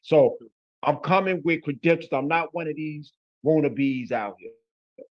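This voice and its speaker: A blunt, emphatic man with a Chicago accent, using plenty of street slang. His voice sits a little high for a man. The audio is dry and somewhat dull, like a lo-fi recording. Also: measured pace, dry recording. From Chicago, USA. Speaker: guest. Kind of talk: casual interview talk.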